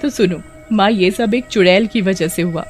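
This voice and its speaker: एक औरत बच्चों की कहानी में गांव की एक भोली जवान लड़की की आवाज़ कर रही है, जो भावुक होकर बोलती है और डरने पर हकलाती है।. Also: female voice, medium pitch, moderate pace, a little mellow, faint music behind, natural voice. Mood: excited. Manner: tearful, stammering when scared. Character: sad young village girl teased for her hair. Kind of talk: children's storybook voice acting.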